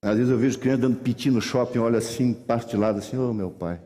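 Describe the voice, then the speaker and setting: A middle-aged male pastor, preaching a sermon in animated, folksy storytelling that acts out voices. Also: medium pitch, quick pace. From Brazil. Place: church hall. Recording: reverberant church hall.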